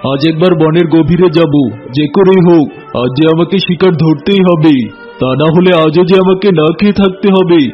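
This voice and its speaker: A foolish, wicked cartoon tiger, played by a man, with a very high-pitched male voice. He blusters and boasts with simple-minded menace. Music plays behind him and the audio is a bit dull. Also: fairly even intonation, moderate pace, natural voice. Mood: hungry, eager. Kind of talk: cartoon voice acting.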